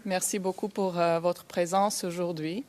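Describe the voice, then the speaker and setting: A woman lawyer speaks formally in court, with a slightly low voice. Her French is a second language and comes out haltingly, with many hesitations. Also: fairly even intonation, a little mellow, a little hiss or hum. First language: not French. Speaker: prosecution lawyer.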